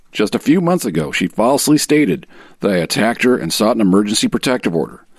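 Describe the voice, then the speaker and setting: A man voicing an aggrieved husband in a dramatic reading of a sworn legal statement, measured, formal and self-righteous. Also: fairly low pitch, darkish tone, no room sound, clean studio sound.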